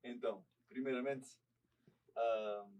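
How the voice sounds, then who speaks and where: A man's voice: medium pitch, fairly even intonation, takes it slowly, darkish tone, far from the mic, muffled recording. A man from Portugal with a Portuguese accent, a podcast guest telling his personal story in a careful, earnest way. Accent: European Portuguese.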